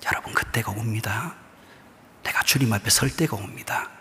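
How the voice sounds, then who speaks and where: A middle-aged pastor from Busan with a Gyeongsang accent, telling a story during a sermon and often dropping to a hushed near-whisper. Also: male voice, fairly low pitch, moderate pace. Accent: Gyeongsang dialect. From Busan, South Korea. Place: church sanctuary. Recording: long reverb of a church hall.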